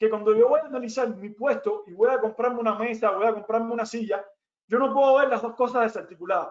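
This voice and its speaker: Very fast and fairly even in intonation, a man with a Cuban accent talks at an extremely high pitch. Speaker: ergonomics specialist. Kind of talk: educational webinar.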